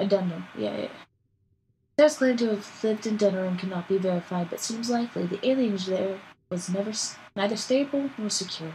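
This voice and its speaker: A somewhat breathy woman speaks at a medium pitch in a dark, mellow tone. Her pace is fairly quick, with ordinary pitch variation. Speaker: gamer. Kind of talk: reading game codex entries aloud.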